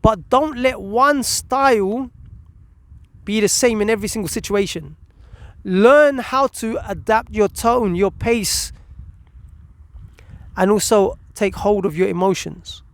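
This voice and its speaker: A man presenting informal, motivational parenting advice, speaking emphatically in deliberate phrases with pauses. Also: sits high.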